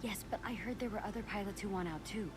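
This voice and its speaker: A woman playing a confident young undercover rebel in an animated series, brisk and self-assured. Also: medium pitch, background noise, lightly acted. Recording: music under dialogue.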